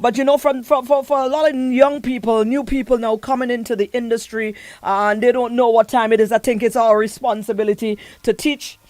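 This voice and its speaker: A man's voice: very high voice, fairly even intonation, a little fast, few pauses, a little mellow, no room sound. A man, hosting a radio interview and drawing out his guest in an encouraging, repetitive way. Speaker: radio host.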